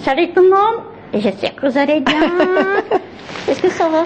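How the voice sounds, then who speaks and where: A woman puts on a character voice at an extremely high pitch. She talks at a fairly quick pace over clear background noise. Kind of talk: TV interview answer.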